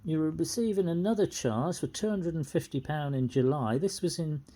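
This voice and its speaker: Speaking at a normal speed in a mellow, mid-range voice, a middle-aged person with a British accent complains off the cuff as an aggrieved tenant. The unscripted grievance monologue is indignant and keeps going back over the same points.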